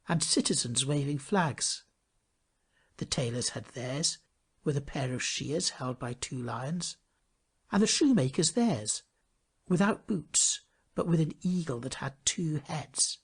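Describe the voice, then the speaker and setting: A man narrating a fairy tale from a script in an expressive, theatrical manner, often hushing his phrase endings. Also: a little high, slightly rough. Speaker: storybook narrator.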